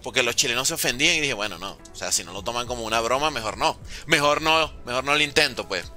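A young man with a Venezuelan accent softened by years in Mexico, casually chatting with viewers and answering their comments while he plays. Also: mid-range voice, lively intonation, fast, faint music behind. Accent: Venezuelan Spanish softened by years in Mexico. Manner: chatty, slangy, answers viewers' chat aloud. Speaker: gaming streamer. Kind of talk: casual live-stream chat while gaming.

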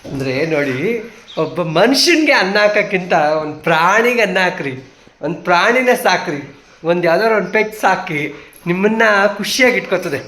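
A trans woman vlogger talks casually while walking outdoors on a hill, teasing and bossing her viewers loudly. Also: on the low side, animated, a little fast. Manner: loud, teasing and bossy, scolding the viewers playfully. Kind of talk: casual vlog. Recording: roomy echo.

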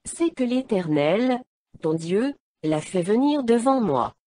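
A woman reading the lines of an anxious younger son who deceives his father, calm and measured. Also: a little high, full character voice. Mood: wary.

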